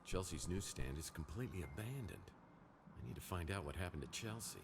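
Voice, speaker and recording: An actor playing a weary hard-boiled private detective in an adventure game, musing wryly in a gravelly noir narration. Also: male voice, deep voice, lively intonation, fairly quick, noisy background. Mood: suspicious. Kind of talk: scripted game character monologue. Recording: game audio with loud music behind.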